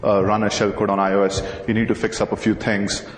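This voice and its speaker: A man's voice: lowish voice, little pitch movement, fast talker. A young man with an Indian accent giving a technical conference talk in a large hall at a podium mic, full of hesitant fillers. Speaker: conference presenter. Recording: echoey hall, faint noise.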